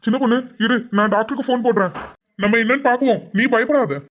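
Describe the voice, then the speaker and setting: Man voicing a frantic cartoon husband, very high, quick, fretting over his mum. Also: fairly bright tone. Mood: anxious. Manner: anxious, pleading. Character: worried devoted adult son and husband. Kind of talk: cartoon voice acting.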